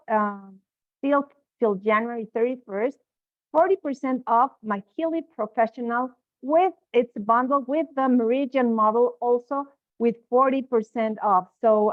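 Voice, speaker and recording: A woman hosting a live webinar, going through sales promotions quickly with frequent filler sounds over a video call. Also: fairly high pitch, no room sound. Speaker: host presenting promotions. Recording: tinny, dry call audio.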